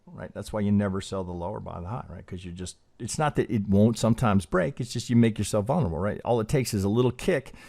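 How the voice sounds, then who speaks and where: A man's voice: fairly low pitch, quick pace, vocal fry, few pauses, warm tone. A middle-aged man hosting a trading channel, talking casually through chart analysis, rambling, swearing and asking "right?" again and again.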